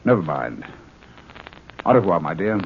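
A man's voice: low voice, sing-song, a little slow, full character voice. An actor playing an authoritative male scientist who commands a missile test in a 1950s radio drama. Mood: guarded, tender. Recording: muffled, noisy 1950s radio recording.

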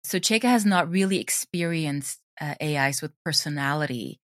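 A woman's voice: deep voice, animated, moderate pace, no echo, clean studio sound. A woman talking casually and reflectively as the guest in an interview about her creative work. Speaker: interviewed audio drama creator.

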